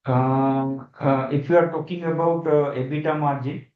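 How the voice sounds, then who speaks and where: Male company executive, Indian accent, halting delivery full of long hesitations, on a muffled conference call with clear room echo. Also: fairly high pitch, fairly even intonation. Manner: halting, hesitant, with very frequent long filled pauses. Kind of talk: answering analyst questions on a conference call. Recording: dull, echoey conference call audio.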